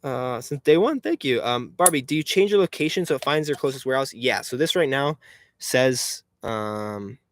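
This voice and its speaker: A young man in his twenties talks loosely through a live stream, answering viewers and trailing off into frustrated asides. His voice sits at an ordinary middle pitch. The sound is dry, with no room echo. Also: lively intonation, moderate pace. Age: 20s. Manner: chatty and rambling, reads chat questions aloud, frustrated asides. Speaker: online reseller hosting a live stream. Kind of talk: casual live-stream chat.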